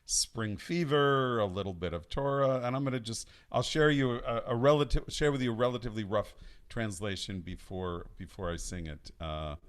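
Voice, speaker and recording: A man leading a song, casually introducing and translating it before he sings, in a halting way with many restarts. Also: medium pitch, clear, resonant tone. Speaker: song leader. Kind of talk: casual spoken introduction before singing at a live-streamed study night. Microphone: home setup singing over recorded accompaniment.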